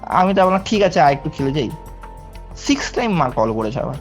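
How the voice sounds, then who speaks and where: A man's voice: fairly high pitch, very animated, brisk, soft background music. A young man, casually telling a true ghost story on a call and checking in with the listener. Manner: chatty, keeps checking in with the listener.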